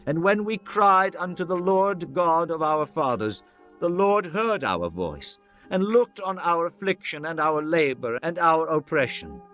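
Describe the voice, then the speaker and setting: A man's voice: a little high, animated, fairly bright tone, lo-fi sound. Solemn male scripture narrator over music. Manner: solemn, measured, declamatory. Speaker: audiobook narrator. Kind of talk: dramatized scripture reading, archaic English. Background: background music.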